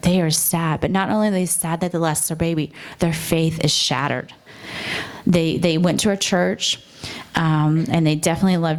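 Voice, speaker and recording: The speaker is a woman with a fairly low pitch. Her intonation stays fairly even. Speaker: keynote speaker. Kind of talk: keynote speech. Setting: stage with audience. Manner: fast talker.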